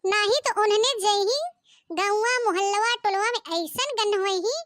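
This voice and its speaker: Woman putting on an old village mother-in-law, Awadhi accent, sharp-tongued, exclaiming, dry close sound. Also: extremely high pitch, measured pace, no room sound. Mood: pleading. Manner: scolding, exclamatory, mocking. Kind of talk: comic cartoon voice acting.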